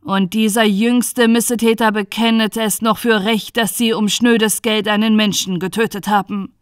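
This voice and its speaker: A woman's voice: fairly high pitch, moderate pace, dry recording, clean studio sound, lightly acted. A woman voicing a stern, outraged male judge in a fairy tale, declaiming with indignation. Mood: indignant.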